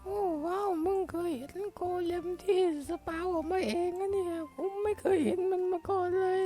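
Very high, squeaky young game hero: excitable, easily startled, cursing. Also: male voice, moderate pace, faint music behind. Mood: excited. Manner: excitable, yelps and curses when startled. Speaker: game caster. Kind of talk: playing and narrating a block-building game in a put-on voice.

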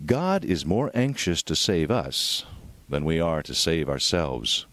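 A man's voice: very deep voice, big pitch swings, takes it slowly, fairly bright tone, no echo. A man reading a devotional sermon aloud in a solemn, dramatic, oratorical manner. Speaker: reader of a devotional book.

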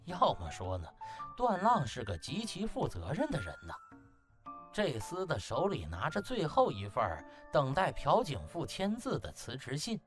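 Highly animated male audiobook narrator. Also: normal speed. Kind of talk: comic dramatized storytelling. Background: music.

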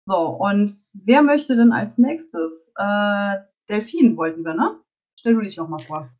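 A woman's voice: mid-range voice, animated, measured pace, a little mellow. Woman in her forties, dull lo-fi sound. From Saarland, Germany. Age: 40s. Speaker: podcast member and illustrator. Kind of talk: casual group chat. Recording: dull, lo-fi voice chat.

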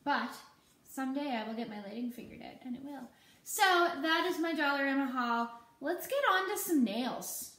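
A woman's voice: high voice, expressive, normal speed. A woman in her thirties, a nail technician, chatting casually and rambling with many ums in a living room, recorded on a camera mic. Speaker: nail technician and salon owner. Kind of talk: casual shopping-haul vlog. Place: living room at home, indoors. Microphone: camera mic at table distance. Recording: echoey room with clear background noise.

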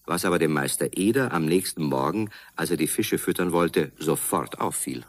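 Deep, slightly husky male storyteller. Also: animated, moderate pace, dry recording. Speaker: narrator. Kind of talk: scripted storybook narration for a children's radio play.

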